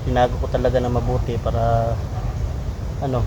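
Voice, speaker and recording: A man with a Filipino accent narrating a casual outdoor adventure vlog in a halting, repetitive way, addressing his viewers familiarly. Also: mid-range voice, monotone, dull audio. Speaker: adventure vlogger and host. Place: outdoors in a windy, quiet spot. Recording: noisy outdoor recording with wind.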